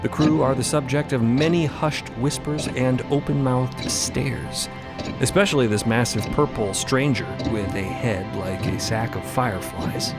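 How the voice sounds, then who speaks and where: A man's voice: medium pitch, unhurried. A man reading scripted dramatic narration as the narrator of a fiction podcast. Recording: clear music bed behind.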